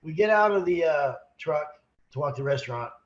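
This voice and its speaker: A man co-hosting a casual podcast, hoarse from a cold, telling a rambling, animated story with many restarts. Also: on the high side, fairly quick, lo-fi sound. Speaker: podcast co-host, sales manager.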